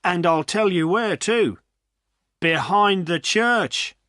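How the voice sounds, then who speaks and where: A man's voice: high voice, lively intonation, slow, sharp tone, no room sound, clean studio sound, voice pushed up, full character voice. A man voicing an emphatic village butcher who insists ghosts are real. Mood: insistent.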